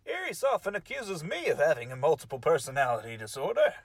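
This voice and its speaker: A man's voice: a little high, very animated, fast talker, no room sound. A man hosting a comedy podcast, bantering with a guest in a theatrical, mock-formal manner.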